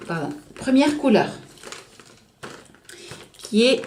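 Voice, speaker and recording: A woman's voice: a little high, big pitch swings, darkish tone, a little hiss or hum. Chatty woman reviewing nail polish. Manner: chatty, hesitant, full of filler and self-corrections; slows down to read out shade names. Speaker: beauty vlogger. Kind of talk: casual product review.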